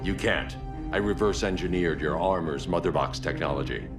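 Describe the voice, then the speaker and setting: A man's voice: deep voice, moderate pace, recorded from a distance, over music, natural voice. An actor playing a grim male vigilante leader in a video game, giving terse, stern orders. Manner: terse, stern, gravely commanding.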